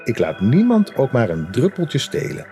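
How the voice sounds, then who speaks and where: A man's voice: medium pitch, wildly swooping pitch, moderate pace, mellow, faint music behind, pitched above the performer's own voice. A man voicing a rude, impatient little man who guards a lake and spits when he talks, in a storybook tale. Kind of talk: storybook character voice.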